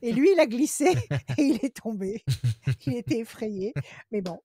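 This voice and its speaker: A woman's voice: on the high side, animated, moderate pace, warm tone, husky, no room sound, clean studio sound. A woman working as a psychic on a live consultation, speaking in short, assertive pronouncements and repeating phrases for emphasis. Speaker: psychic giving card readings to callers.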